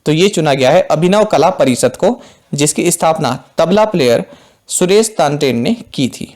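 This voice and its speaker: A man's voice: a little high, expressive, normal speed, darkish tone. A man teaching current affairs for exam prep, explaining terms plainly and calling viewers friends.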